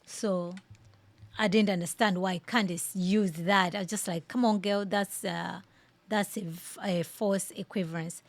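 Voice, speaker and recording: A woman's voice: medium pitch, steady tone, a little slow, no room sound. A woman from Malawi hosting a casual reaction commentary, speaking emphatically and repeating phrases to drive her points home. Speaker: podcast host giving commentary.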